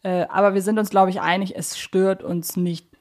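A woman's voice: medium pitch, flat delivery, normal speed, darkish tone. A woman co-hosting a podcast in casual discussion, often circling back to rephrase in a hesitant way. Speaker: podcast co-host. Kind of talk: casual discussion of an audio drama series.

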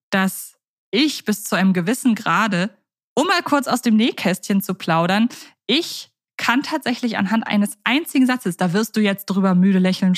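Chatty German woman podcast co-host. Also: medium pitch. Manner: chatty, playful, long winding sentences. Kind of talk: casual podcast chat.

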